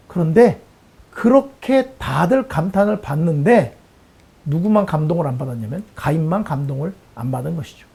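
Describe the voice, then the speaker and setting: A man preaching as a pastor in a Bible lesson sermon, lively and acting out the lines he quotes. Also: high-pitched, gravelly, breathy edge.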